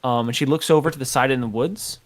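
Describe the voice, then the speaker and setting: A man running a tabletop game, his voice sitting at an ordinary middle pitch. He narrates in a halting way, padding nearly every phrase with ums and kinda. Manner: hesitant, full of ums and kinda. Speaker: game master.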